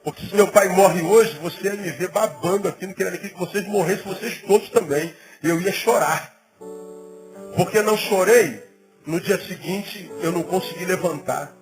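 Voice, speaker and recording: A middle-aged man, a pastor, preaching a sermon in a conversational, animated way with emphatic rising peaks, music in the background. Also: sits high, moderate pace, low-quality recording. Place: church.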